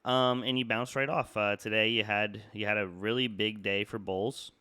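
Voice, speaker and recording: A man's voice: on the low side, fairly even intonation, normal speed, bright, forceful tone, clean tone, no room sound, clean studio sound. A young man with a stuffy, congested nose from a cold, casually talking through stock charts with lots of fillers and restarts. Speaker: market analysis YouTuber. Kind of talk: casual trading chart talk.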